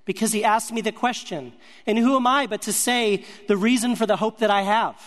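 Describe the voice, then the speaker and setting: A man with a notably high voice tells his story from the pulpit, earnest and measured, letting his thoughts come out in short, broken-up phrases. His words ring out with the long reverb of a large hall. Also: fairly bright tone. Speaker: speaker sharing a ministry testimony. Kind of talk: storytelling sermon.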